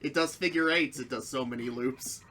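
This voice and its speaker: A woman's voice: rumbling low, normal speed, a bit bright, slight background noise, low-quality recording. A woman giving a theatrical comedic reading of fan fiction as narrator, with casual banter.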